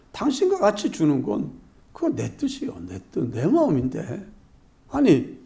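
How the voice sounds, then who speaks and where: A man's voice: a little high, creaky, warm tone, exaggerated voice. A man voicing a landowner in a parable who firmly explains that he paid what he promised. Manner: reasoning, patiently arguing back. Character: calm firm landowner defending his fairness.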